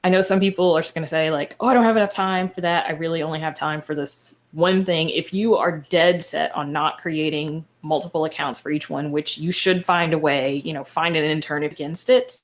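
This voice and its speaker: Woman podcaster w a lowish voice, explaining stuff on a panel, chatty and emphatic. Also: steady tone, fairly quick, few pauses. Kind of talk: panel advice, conversational.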